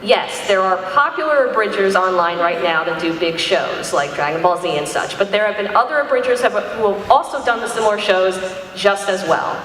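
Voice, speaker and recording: A woman talks casually on a panel, heard from a distance in a large, heavily echoing hall. Her pitch is average, and there is faint noise behind her. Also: a little fast, a bit bright. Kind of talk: casual convention panel talk. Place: large indoor convention panel room.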